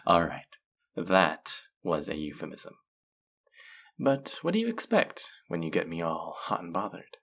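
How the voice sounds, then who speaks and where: A man's voice: low voice, huge pitch swings, a little slow, gravelly, fairly bright tone, husky, exaggerated voice. A man playing a teasing, sardonic, flirtatious male faerie in a scripted audio roleplay. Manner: sardonic, teasing, drawling with sighs.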